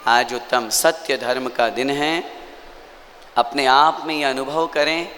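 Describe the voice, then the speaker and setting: Male preacher, Marwar origin; bright, exhorting sermon delivery; long hall reverb, faint background noise. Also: fairly even intonation. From Marwar region, Rajasthan. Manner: exhorting, drops low and slow on key lines. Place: temple hall.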